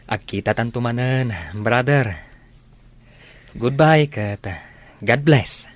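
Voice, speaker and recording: A man's voice: mid-range voice, slow pace, dry recording, lightly acted. A man with an Ilocano Filipino accent playing an earnest, devout young seminarian in a radio drama. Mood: friendly.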